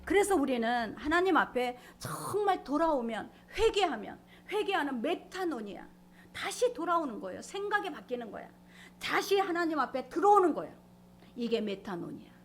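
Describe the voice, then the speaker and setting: A middle-aged woman pastor giving a sermon, preaching emphatically, acting out quoted lines and dropping into whispers. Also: sits high. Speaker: senior pastor.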